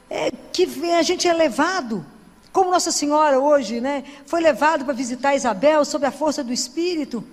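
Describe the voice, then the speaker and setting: A high-pitched woman with a Brazilian Portuguese accent preaches to a church gathering in a conversational way, often checking in with her listeners. Her voice rings out with a long reverb. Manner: chatty, with frequent tag questions and restarts. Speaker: Catholic lay preacher. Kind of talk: conversational sermon.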